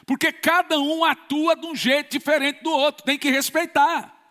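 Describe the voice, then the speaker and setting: A man's voice: extremely high pitch, steady tone, normal speed, bright, forceful tone. A man from Brazil, a pastor preaching an emphatic sermon with sudden bursts of force. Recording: long church reverb.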